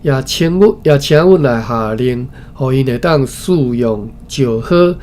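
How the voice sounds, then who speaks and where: Reading a historical text for a study session, a man with a Taiwanese accent halts, repeats phrases and adds casual asides. His voice sits mid-range, a little mellow, with lively intonation, captured in a clearly noisy recording full of background ambience.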